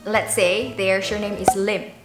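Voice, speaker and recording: A woman's voice: mid-range voice, little pitch movement, unhurried, noisy background. A young woman from Indonesia, talking casually and chattily to her viewers as a vlogger. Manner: informal, chatty, with frequent "like" and small giggles. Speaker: YouTube vlogger. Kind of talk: casual talk to camera. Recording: roomy echo, music behind the voice. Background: background music.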